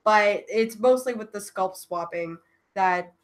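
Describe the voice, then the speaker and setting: A woman's voice: mid-range voice, slow pace. A woman co-hosting a podcast, chatting casually about tabletop game rules with lots of filler words. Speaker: podcast co-host. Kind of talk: casual chat.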